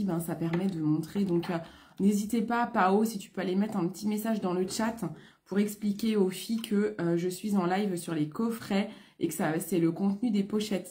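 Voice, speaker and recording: A woman's voice: medium pitch, mellow. A French woman hosting a casual live stream as a beauty consultant, chatty and greeting viewers by name, with a throat congested from a coming cold. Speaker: beauty consultant selling online.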